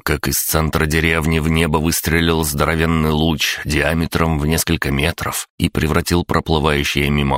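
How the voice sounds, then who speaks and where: A man with an extremely deep voice narrates a first-person audiobook in a dry, wry tone. The recording is close and dry, with no room sound. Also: a bit bright, no room sound.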